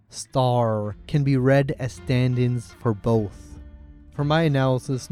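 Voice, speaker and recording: With a relaxed mid-range voice, this male narrator hosts a scripted video essay in a casual, sardonic manner. Expect strong opinions, sarcasm, and offhand swearing, all set over a faint bed of background music.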